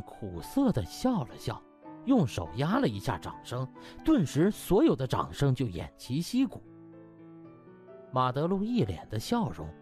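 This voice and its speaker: A man narrating a comic novel in a theatrical, colloquial storytelling manner. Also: on the high side. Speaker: audiobook narrator.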